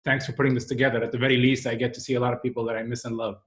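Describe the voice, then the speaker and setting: A man's voice: medium pitch, little pitch movement, very fast, a bit bright. A man from the Emirates, a guest on a video call, telling childhood stories in a chatty way with fillers and laughs. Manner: chatty, laughing, many fillers, switches into Arabic. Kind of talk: casual storytelling on a video call. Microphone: remote video-call connection. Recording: dull remote call audio.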